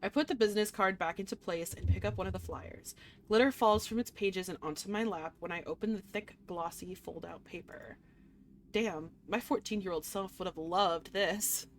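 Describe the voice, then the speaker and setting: A woman reading a visual novel aloud as a game streamer, mixing expressive narration with casual, playful reactions. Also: medium pitch, moderate pace. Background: faint music.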